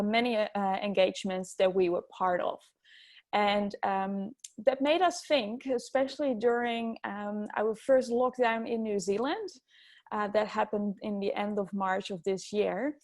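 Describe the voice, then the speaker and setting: A woman with a Dutch accent, an agile coach giving an upbeat webinar talk over a video call, with many ums and uhs. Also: medium pitch. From Netherlands. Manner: frequent ums, upbeat and eager. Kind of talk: webinar presentation.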